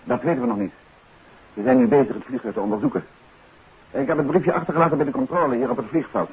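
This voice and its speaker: An actor playing a composed, courteous detective in 1950s radio drama style, urgent but reassuring, on an old radio recording. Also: male voice, medium pitch, fast talker, narrow, tinny audio, a little hiss or hum, lightly acted. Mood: businesslike, urgent.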